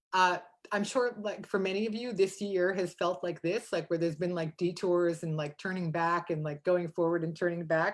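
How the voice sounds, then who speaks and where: A woman's fairly low pitch in a plain, everyday voice, with ordinary pitch variation. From New York area (Queens and New Jersey). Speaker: artist. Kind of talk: artist talk on video call. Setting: video call.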